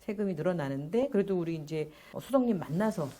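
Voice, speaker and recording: Low mellow woman host summing up. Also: lively intonation. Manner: brisk, explains in short repeated summaries. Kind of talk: casual talk-show interview.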